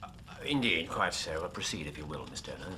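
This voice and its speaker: An actor playing a keen male detective who questions a client in a measured way, pausing on hesitant "uh"s. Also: a bass voice, very animated, bright, forceful tone, slight background noise, exaggerated voice. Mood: probing. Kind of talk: radio drama acting.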